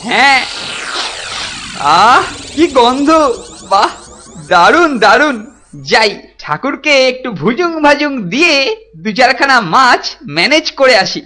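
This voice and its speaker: A woman's voice: sits high, lively intonation, measured pace, pauses often, sharp tone, heavily acted. A woman voicing a sly, bossy older schoolboy in a cartoon, with a scheming, taunting, exaggerated delivery. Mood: greedy scheming. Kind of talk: cartoon voice acting. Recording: cartoon music behind the voice.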